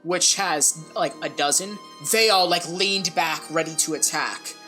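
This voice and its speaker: A woman narrating a tabletop game as game master, chatty and quick to laugh. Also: on the low side, pushed and bright, soft background music. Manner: chatty, laughs easily, rambling.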